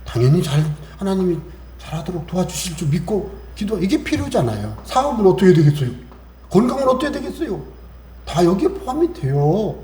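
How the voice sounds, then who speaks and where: This pastor's high, mellow voice has a sing-song lilt and moves a little fast. Chatting through his Sunday sermon, he quotes scripture and acts out small exchanges, recorded in an echoey church room with faint hiss.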